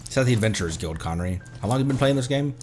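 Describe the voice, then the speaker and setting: A man hosting a live game stream with casual, expressive, self-teasing commentary. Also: mid-range voice, racing, faint music behind.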